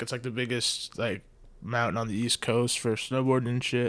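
Very fast and monotone, a man delivers his words with flat intonation. His pitch is medium. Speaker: podcast host, comedian. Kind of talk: casual comedy banter. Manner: casual, joking.

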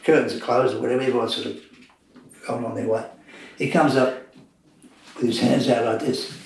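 A medium-pitched man at a very fast pace, broken by long, frequent pauses, over noticeable background noise. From Sydney, Australia. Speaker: drummer. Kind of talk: casual chat. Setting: around a dinner table. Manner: animated.

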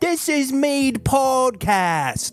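A put-on character voice rises to a high pitch. Faint music plays in the background. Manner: silly, comedic.

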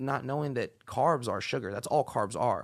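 Against a very clean, silent background, a man with an ordinary speaking voice talks fairly quickly, his intonation fairly even. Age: 20s. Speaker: bodybuilder. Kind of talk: casual chat.

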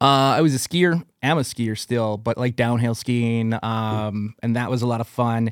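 Speaking at a fairly slow pace with hardly any pauses, a man with an unremarkable speaking voice and an American accent keeps a medium pitch and fairly even intonation, recorded dry and close with no echo on a very clean track with a silent background. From Wisconsin, Milwaukee suburbs (Brookfield). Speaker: social media coach and entrepreneur. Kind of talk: casual interview.

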